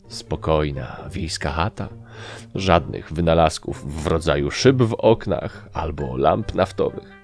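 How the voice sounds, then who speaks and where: Deep gravelly male audiobook narrator. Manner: dry, wry storytelling. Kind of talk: first-person audiobook narration.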